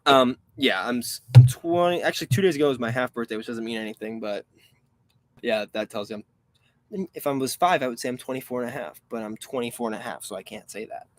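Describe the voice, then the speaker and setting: Fast and medium in pitch, a man in his twenties runs a live stream as an online reseller. He chats and rambles, reading viewers' questions aloud, and mutters in frustration about a website that keeps failing.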